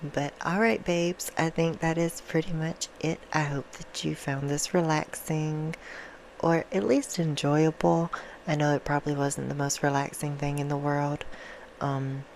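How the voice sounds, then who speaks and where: A soft-spoken woman chatting casually and affectionately to her viewers in an ASMR style, with an informal, self-deprecating manner. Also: deep voice, fairly even intonation, unhurried, a little hiss or hum, poor audio. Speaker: ASMR video creator and host.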